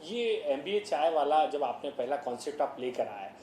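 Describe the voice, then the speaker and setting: A man interviews politely, sometimes restarting his questions, his voice a touch high. The room around him sounds echoey. There is faint noise behind him. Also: sing-song, moderate pace, dark tone. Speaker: news channel interviewer.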